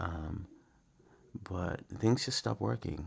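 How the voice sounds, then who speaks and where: Vocal fry marks a man's voice as he talks at a fairly quick pace. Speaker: poet and video creator. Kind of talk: casual vlog monologue. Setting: sitting on bed at home. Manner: halting, repeated sounds and pauses; little mouth movement.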